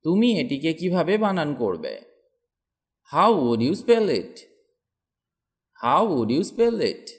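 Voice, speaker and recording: Male English tutor, slow drill delivery, lively rising and falling pitch, each sentence said twice. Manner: reads each English sentence slowly twice after the Bengali one. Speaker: English teacher.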